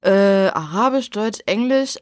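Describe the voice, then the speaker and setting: A young woman co-hosts a relaxed podcast chat, joking and often turning to address the listeners directly. Her voice sits at an ordinary pitch, recorded dry and close. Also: measured pace, dry recording. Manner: chatty, addresses listeners as "Leute", jokey. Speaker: podcast co-host. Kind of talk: casual chat about rap.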